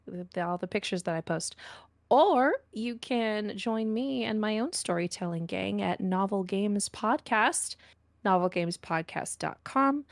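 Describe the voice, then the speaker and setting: A woman's voice: medium pitch, no echo. A woman guest on a game stream, introducing herself in a casual way. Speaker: guest player and podcaster.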